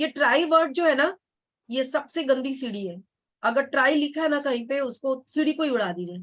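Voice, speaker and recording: A woman with a high pitch speaks at a moderate pace, her tone animated and her intonation lively. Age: 60s. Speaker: motivational speaker in network marketing. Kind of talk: motivational seminar talk.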